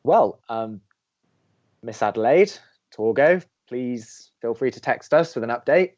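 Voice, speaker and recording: A man's voice: medium pitch, expressive, measured pace, darkish tone, lo-fi sound, lightly acted. A young man playing a sardonic, reluctant college radio co-host in an audio drama, with a dry, skeptical, pedantic way of talking. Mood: reluctantly helpful. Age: young adult. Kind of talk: scripted audio drama banter.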